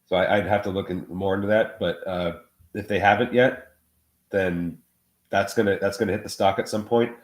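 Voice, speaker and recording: A low-voiced man who is sick and sounds muffled, as if he were speaking through a wall. He talks about trades in a halting, casual way, full of uh's and restarts, over roomy remote audio. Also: fairly even intonation. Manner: halting, with many uh fillers and repeats. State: sick, under the weather. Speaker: regular market commentator. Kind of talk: casual trading talk on a live show.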